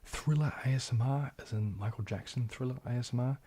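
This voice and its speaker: A young man hosting a casual livestream Q&A, soft-spoken and often slipping into a whisper. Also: medium pitch, a little fast, slight background noise. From New Zealand. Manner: soft-spoken, drifting into whispers, frequent restarts. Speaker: ASMR livestream host.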